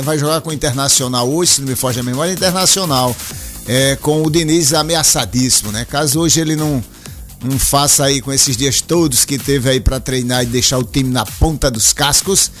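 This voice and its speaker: A man's voice: fairly high pitch, fairly bright tone. A male radio host, chatting loosely about football and taking listener calls, tagging his sentences with a questioning lilt. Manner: chatty, lilting, tags lines with "né?". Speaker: radio sports and call-in show host. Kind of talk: casual radio chat and sports commentary.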